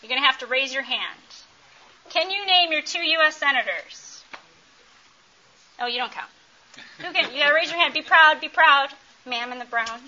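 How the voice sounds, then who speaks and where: A woman's voice: high voice, expressive, normal speed, long pauses, bright, forceful tone, highs cut off. A woman presenting an interactive talk, quizzing the audience and doing playful, teasing crowd work. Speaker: workshop presenter.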